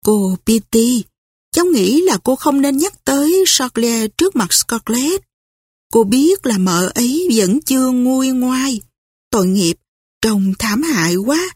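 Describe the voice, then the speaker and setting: A woman voicing a gentle, patient young sister-in-law in a storybook reading, with a soft, soothing manner. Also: a little high, animated, takes it slowly, husky, no echo, clean studio sound, heavily acted.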